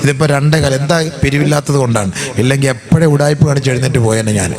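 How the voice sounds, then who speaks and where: A man's voice: medium pitch, rapid-fire. A man from southern Kerala with a South Kerala Malayalam accent, preaching a live sermon with rhetorical questions to a gathering. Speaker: Islamic preacher. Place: religious gathering before an audience. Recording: crowd audible behind a live talk.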